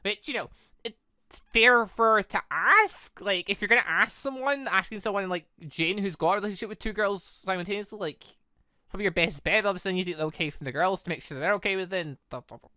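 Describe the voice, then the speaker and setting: A gaming YouTuber giving animated, exclamatory commentary while playing and reading out a visual novel game, with music playing behind. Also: mid-range voice, fast talker, no echo, studio quality. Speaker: gaming YouTuber, let's player.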